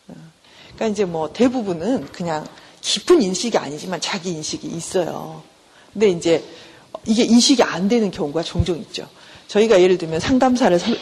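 A woman's voice: lowish voice, a little mellow, slight background noise. Middle-aged woman lecturing in an echoing hall. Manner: conversational, asks the class questions and answers them; acts out quick everyday exchanges in shifting voices. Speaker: professor lecturing on counseling. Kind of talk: university lecture. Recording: lecture hall with long reverb.

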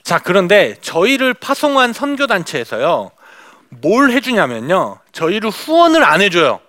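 A woman's voice: mid-range voice, huge pitch swings, moderate pace, a bit bright, no room sound, studio quality. A woman missionary giving a testimony talk to a church audience, speaking to them directly and acting out the dialogue she recalls. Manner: addresses the audience directly, acts out quoted dialogue.

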